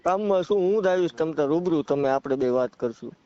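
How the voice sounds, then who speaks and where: A man's voice: on the high side, animated, a little fast, dark tone. A man with a Saurashtra Gujarati accent in casual phone talk, giving brief, noncommittal replies on a muffled recording.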